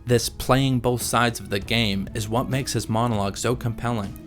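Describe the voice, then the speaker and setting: A man narrating a scripted video essay in a measured, analytical way. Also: medium pitch, fairly even intonation, soft background music.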